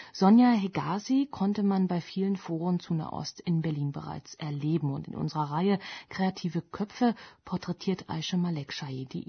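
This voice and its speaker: Woman presenter, calm formal intro, low voice, very breathy. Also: highs cut off. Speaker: radio presenter. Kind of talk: scripted radio introduction.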